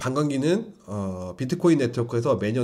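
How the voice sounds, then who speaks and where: With a dark, mellow tone and lively intonation, a man speaks at a moderate pace. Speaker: crypto YouTuber. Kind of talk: commentary translating an interview. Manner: halting, many fillers.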